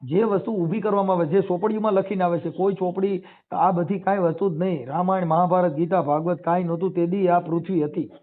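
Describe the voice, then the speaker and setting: Heard through a telephone, the call sounds muffled and narrow-band. A man with a Saurashtra Gujarati accent, his voice high and steady in tone, moves at a brisk clip as he emphatically explains his views, posing rhetorical questions in everyday speech.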